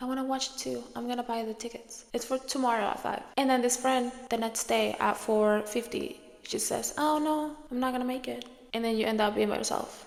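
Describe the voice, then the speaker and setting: Amid noticeable background noise, a woman speaks in an animated tone at a high pitch and a fairly quick pace. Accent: Spanish. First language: Spanish. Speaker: motivational YouTuber. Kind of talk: motivational talk to camera.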